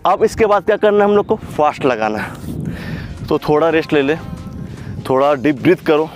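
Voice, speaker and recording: Casting: young male fitness coach, fairly high voice, brisk rep-counting commands, faint music underneath. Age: young adult. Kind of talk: workout instruction. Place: open grass field by a lake, outdoors.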